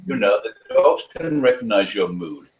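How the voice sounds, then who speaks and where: Dog trainer guy talking fast and earnest, stumbles over his words, roomy echo. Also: on the low side, animated, lo-fi sound. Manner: fast, earnest, with frequent restarts and stammers. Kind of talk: conversational interview advice.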